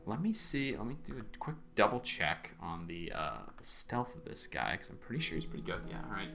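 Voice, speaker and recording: A man running a tabletop game as game master, narrating haltingly with many fillers. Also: lowish voice, sing-song, vocal fry, bright, forceful tone, faint music behind.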